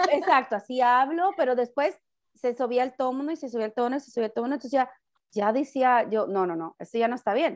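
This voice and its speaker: In a high pitch, a woman talks at a fairly quick pace with lively intonation. The background is quiet. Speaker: mother; radio guest. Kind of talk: casual chat. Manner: loud. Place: home room. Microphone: earbuds.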